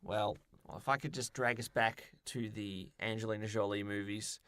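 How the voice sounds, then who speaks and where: A man's voice: lowish voice, steady tone, moderate pace, fairly bright tone, no room sound. A man co-hosting a podcast, discussing films and games casually in a playful, joking manner. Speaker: podcast co-host.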